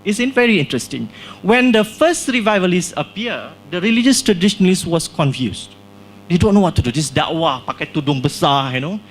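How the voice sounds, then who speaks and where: A man from Singapore talks about his book at a launch event in a small hall. His voice sits a little high, and he reasons aloud with many tag questions and restarts. A faint hum runs underneath. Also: animated, a little fast. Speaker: author presenting his book.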